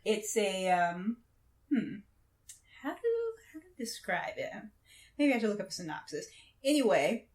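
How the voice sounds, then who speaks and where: A woman podcast co-host chats casually about pop culture with real enthusiasm. Her pitch is average for a woman but moves around in a very lively way. She leans on "like" as she talks, and the room around her rings with echo. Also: unhurried, long pauses. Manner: enthusiastic, heavy use of "like". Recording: echoey room.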